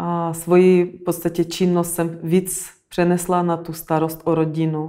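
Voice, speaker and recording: Against a quiet background, a woman with a fairly low pitch and a dark, mellow tone speaks at a fairly slow pace in a monotone, flat intonation. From Ukraine. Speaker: family and birth workshop organiser, mother of six; interview guest. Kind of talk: interview. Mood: calm, reflective.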